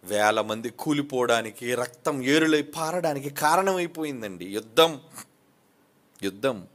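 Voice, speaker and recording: A male pastor preaching a sermon, rising from quiet asides to loud peaks, firing off rhetorical questions and mimicking gossips. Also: mid-range voice, expressive, a little slow.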